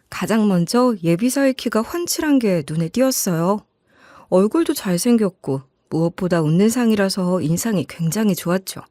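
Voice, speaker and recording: A woman's voice: medium pitch, a little mellow, dry recording. Woman storyteller, dry close sound. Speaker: story narrator. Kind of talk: scripted first-person storytelling as a mother.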